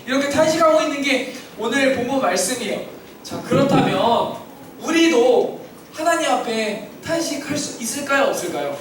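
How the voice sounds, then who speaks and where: A man's voice: extremely high pitch, lively intonation, normal speed, fairly bright tone, slight background noise. A man preaching to children at church and leading them in call-and-response answers. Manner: asks kids questions, leads call-and-response. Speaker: children's pastor. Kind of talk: interactive children's sermon. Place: church hall. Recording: very echoey hall, distant mic, children audible.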